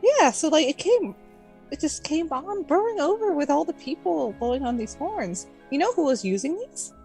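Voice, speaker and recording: Female tabletop player, animated and playful, higher voice, casual improvised role-play. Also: moderate pace, gravelly. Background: music.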